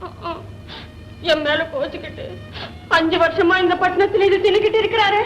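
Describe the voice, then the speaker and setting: Plaintive young village bride, high, soft; old film audio with faint score. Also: female voice, a little fast, highs cut off, soft background music. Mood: tearful. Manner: innocent, plaintive. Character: naive young village wife searching for husband. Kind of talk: 1960s film acting.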